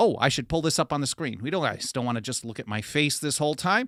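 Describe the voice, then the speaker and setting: A man with an American accent and lively intonation, in a dry, close recording with no echo and a very clean, silent background. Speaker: political podcast host. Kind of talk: solo podcast monologue.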